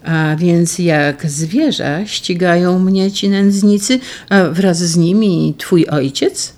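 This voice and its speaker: A reader voicing a proud young man on the run in an audiobook, solemn and resolute, with some vocal fry. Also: high voice, slow, darkish tone. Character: young outlaw lover, proud and defiant. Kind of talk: audiobook reading.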